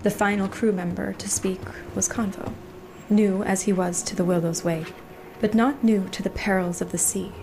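A woman reading scripted dark fantasy narration in a measured, literary storytelling manner. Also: medium pitch, steady tone, background noise.

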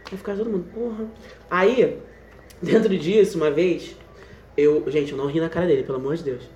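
A young Brazilian man with a Brazilian Portuguese accent, telling a funny story in casual chat, animated and laughing often, with restarts. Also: fairly high pitch, fast. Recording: echoey room.

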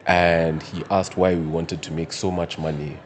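A very deep-voiced man from Kenya answers interview questions in a measured, soft-spoken way. He pauses often and restarts his sentences as he recalls events. A faint background hiss runs under the conversation. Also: level tone. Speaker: guest, company director. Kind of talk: casual interview storytelling.

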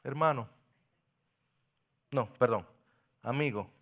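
A male pastor preaching a sermon into a microphone, impassioned, swinging from loud cries to hushed pleading. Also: mid-range voice, slow.

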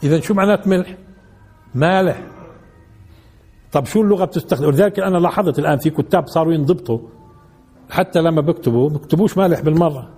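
A man's voice: fairly high pitch, quick pace, pauses often, darkish tone, husky, soft background music. A man teaching a class, asking his listeners questions and repeating key words. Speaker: sheikh teaching Quran commentary. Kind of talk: classroom lesson in colloquial Arabic.

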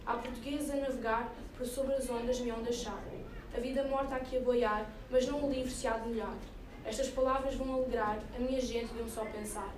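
A woman reciting a rhyming poem aloud in a measured, rhythmic way at a reading. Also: on the high side, fairly even intonation. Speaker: reader at a reading event. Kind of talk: poetry recitation. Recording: echoey room, distant mic, noisy.

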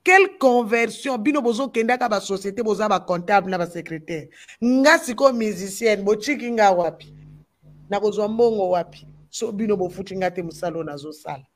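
A woman's voice: mid-range voice, moderate pace. Woman, Congolese French accent, gospel musician, emphatic, repeats phrases, talk-show discussion. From Democratic Republic of the Congo.

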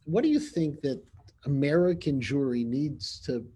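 A man interviewing a rabbi, asking measured, probing questions. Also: a little high, lively intonation, warm tone, slightly rough.

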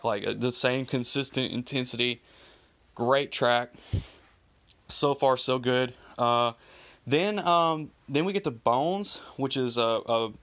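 An excited man reviewing an album casually. He rambles with lots of fillers and slang and runs out of breath. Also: mid-range voice. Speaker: music reviewer.

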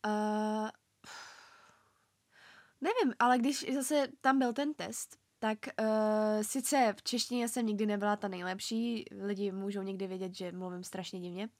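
A woman's voice: medium pitch, fairly even intonation, no room sound, studio quality. A young woman co-hosting a podcast in casual chat, agreeing eagerly and using lots of fillers. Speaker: podcast co-host.

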